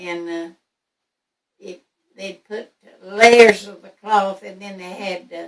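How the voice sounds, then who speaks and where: A woman with a Tennessee accent, very slow, at a medium pitch, flat and monotone, with big swings in loudness and long, frequent pauses. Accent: Southern US, Tennessee. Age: 80s+. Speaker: elderly woman recalling her life. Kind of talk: oral history interview. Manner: halting.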